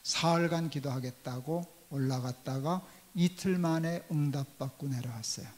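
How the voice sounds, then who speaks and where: Older male pastor, somewhat high voice, storytelling sermon, long church reverb. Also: moderate pace, darkish tone. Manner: storytelling, acting out quoted dialogue. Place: church sanctuary.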